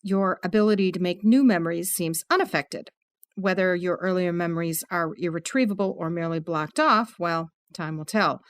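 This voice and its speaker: An actress playing a methodical female psychologist who explains things in a measured, clinical way, in an audio drama. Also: fairly low pitch, no room sound, clean studio sound, lightly acted. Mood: calm. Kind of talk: full-cast audio drama.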